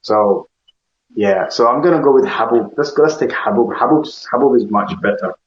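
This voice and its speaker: A man's voice: medium pitch, normal speed. Echoey, slightly dull recording, man, East African accent, informal questioning host, repeats words back, casual chat. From Kenya. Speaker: host comparing vocabulary with a guest. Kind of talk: casual chat in a language comparison.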